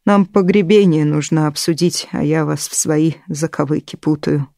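A woman voicing a village priest who talks slowly in a guilty, folksy way. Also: low voice, vocal fry, dark tone, dry recording, studio quality. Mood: apologetic. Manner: slow, guilty-sounding, folksy. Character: village priest, apologetic, rambling man.

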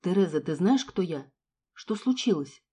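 Figure: calm, caring young man, read by a woman. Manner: soft, quiet, firm. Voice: mellow. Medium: audiobook. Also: fairly low pitch, moderate pace, slightly rough. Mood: concerned, firm.

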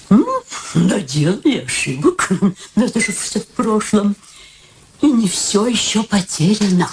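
An actress playing a sharp, cheerful elderly mother in a radio play, effusive and coaxing in an emphatic way. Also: mid-range voice, background noise, natural voice.

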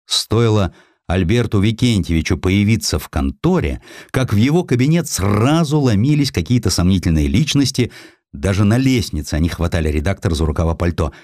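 A man's voice: lowish voice, expressive, fairly quick, darkish tone, no room sound, clean studio sound. A man delivering dramatic scripted narration of history as an audiobook narrator.

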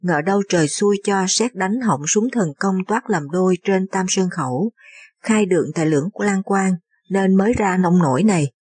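A woman's voice: medium pitch, normal speed, a little mellow, breathy edge, no room sound, close to an everyday voice. A woman narrator voicing a grieving noble lady general, wife of a marshal, in a sorrowful, earnest way. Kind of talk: scripted narration of a historical novel.

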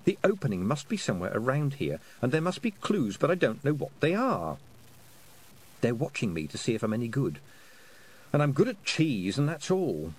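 A man voicing a stubborn, earnest young farm girl in an audiobook, pleading and sharp by turns. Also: medium pitch, sing-song, normal speed, low-quality recording. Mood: anxious. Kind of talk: audiobook character voice.

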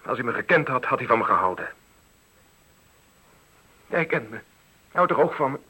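A forceful, hurt teenage son. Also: male voice, medium pitch, lively intonation, moderate pace, slightly rough, rough recording. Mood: hurt, confused. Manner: confrontational, intense. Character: hurt, accusing teenage son, passionate and confused. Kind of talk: Dutch radio play acting.

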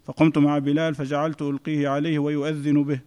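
Fast, flat-toned man reading aloud. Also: on the high side. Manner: steady recitation in a level chant. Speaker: student reading the text aloud. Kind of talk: reading a classical text aloud. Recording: echoey hall.

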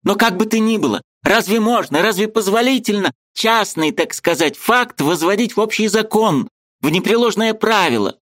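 Мужчина изображает пылкого крикливого спорщика. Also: male voice, animated, normal speed, a bit bright, dry recording, studio quality. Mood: heated. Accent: Little Russian (Ukrainian) inflection. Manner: hammering, exclaiming, high and heated. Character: fiery preachy male friend, loud zealot.

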